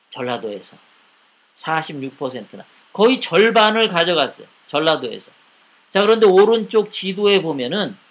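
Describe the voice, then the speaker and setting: A man's voice: sits high, a bit bright. A man hosting a live political commentary show, talking in an indignant way and piling up repeated rhetorical questions.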